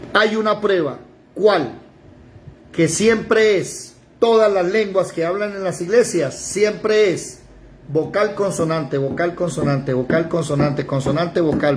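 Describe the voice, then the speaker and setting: A middle-aged man teaching an informal Bible class, animated, firing rhetorical questions and acting out short mock dialogues. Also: high-pitched, slight background noise. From Colombia.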